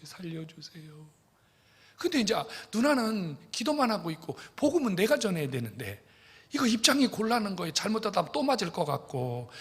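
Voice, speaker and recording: In a church sanctuary full of long reverb, a middle-aged pastor recounts a story during his sermon, alternating hushed whispers with sudden loud outbursts. His voice is a little high and husky, and he keeps repeating phrases and turning to speak directly to the congregation.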